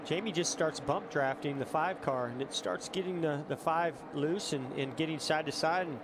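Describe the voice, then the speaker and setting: Male motorsport commentator, analyst type, explanatory, higher-pitched, clear engine noise behind. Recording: noisy race broadcast, engine roar. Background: race cars and outdoor track noise.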